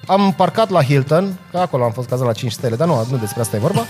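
A man's voice: medium pitch, faint music behind. A man, chatting casually and telling stories with acted-out exchanges. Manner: animated storyteller, acts out quoted exchanges with laughs. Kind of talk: casual chat, storytelling.

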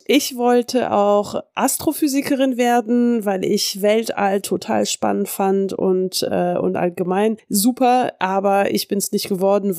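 A woman's voice: medium pitch, warm tone, no echo. Woman in her forties, from France, podcast host, chatty and self-deprecating, dry close sound. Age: 40s. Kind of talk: personal monologue.

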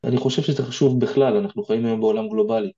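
Israeli man, mellow voice, slightly dull recording. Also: mid-range voice, fairly even intonation. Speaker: guest researcher giving career advice. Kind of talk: casual interview advice.

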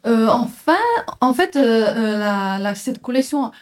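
A woman's voice: fairly high pitch, a little slow, darkish tone. A woman explaining a product release in a hesitant way, with many fillers. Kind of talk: hesitant informative answers.

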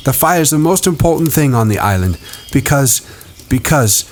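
A man's voice: medium pitch, lively intonation, normal speed, a little hiss or hum, voice pushed up, natural voice. A man voicing an earnest young boy who leads the group, groping for words as he speaks.

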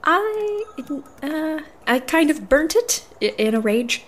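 A woman's voice: high-pitched, big pitch swings, slow, fairly bright tone, a little hiss or hum, full character voice. A woman playing an earnest, prickly dwarven paladin in an audio drama, speaking in a firm, formal, businesslike way. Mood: worried.

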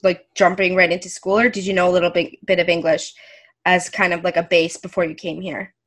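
A woman's voice: lowish voice, level tone, a little fast, a bit bright. Woman host asking questions. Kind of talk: casual interview questions.

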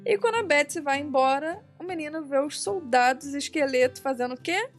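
A young woman with a very high voice chats about a book she is reading, her stories animated and broken up by laughter. Faint music plays behind her. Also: a little fast. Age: young adult. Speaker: podcast co-host discussing a book. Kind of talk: casual chat.

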